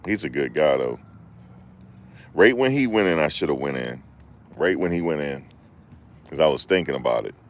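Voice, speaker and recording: An extremely low-pitched man hosts a livestream, joking, rambling, and answering chat as he talks casually with his live viewers. His intonation is lively, his pace moderate, and he leaves long pauses.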